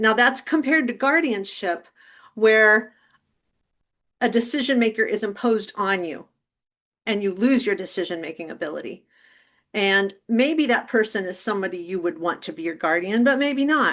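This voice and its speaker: Speaking at a moderate pace with lively intonation and long, frequent pauses, a woman uses a fairly high pitch against a quiet background. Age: 60s. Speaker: attorney presenter. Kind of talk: webinar lecture. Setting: online webinar. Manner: conversational with frequent fillers.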